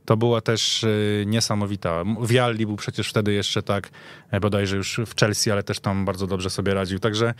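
A man's voice: on the low side, little pitch movement, normal speed, no room sound. A man giving opinionated, conversational football analysis, often checking in with short tag questions. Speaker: football pundit.

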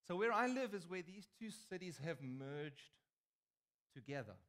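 A man in his forties with a South African accent, preaching on a church stage and telling a story in a lively, joking way. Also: high-pitched, normal speed. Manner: lively, chatty, joking asides. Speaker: guest preacher. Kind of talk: storytelling sermon. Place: large stage in a church hall.

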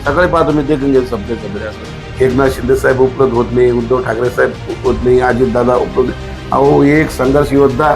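A man's voice: medium pitch, steady tone, fairly quick, over music, poor audio. A man, an activist answering in a casual interview in a blunt, emphatic way with rhetorical questions. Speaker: political activist, interview guest.

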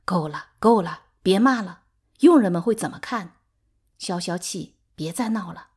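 A woman's voice: lowish voice, lively intonation, normal speed, natural voice. A woman voicing a sensible, weary wife who keeps the peace in an audiobook, plain and firm. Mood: exasperated, urging. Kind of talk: audiobook character acting.

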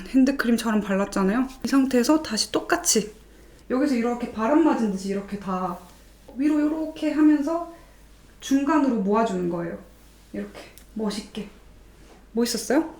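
A woman in her thirties walking through a hair styling tutorial in a chatty, playful way, now and then talking to her own hair. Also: a little high. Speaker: vlogger.

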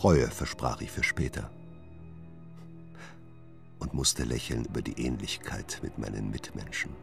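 A haunted gentleman doctor speaks in an extremely deep, creaky voice. He is secretive and weighed down by guilt, confessing deliberately in literary phrases, as in a radio play, with music underneath. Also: steady tone, heavily acted. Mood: brooding confession. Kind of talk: German radio play narration and dialogue.

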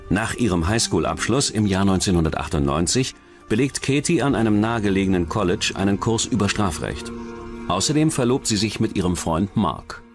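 A man narrates a true-crime documentary from a script. His voice is low and moves expressively up and down, with music clearly playing behind it. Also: expressive, a little fast. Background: background music.

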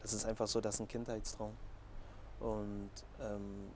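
A man's voice: on the low side, flat delivery, a little slow, a little mellow. A man in his twenties from Hamburg, a footballer answering interview questions in a casual way. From Hamburg, Germany. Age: 20s. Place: open-air terrace by a training pitch. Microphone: lapel mic. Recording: outdoor recording with clear background noise.

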